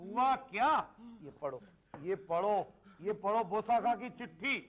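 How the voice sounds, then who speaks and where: A man's voice: high voice, lively intonation, unhurried, muffled recording, a little hiss or hum. An actor playing a hot-tempered male bully who barks orders and blusters angrily. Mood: angry. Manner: barking orders, angry, blustering. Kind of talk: TV drama acting. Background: loud background music.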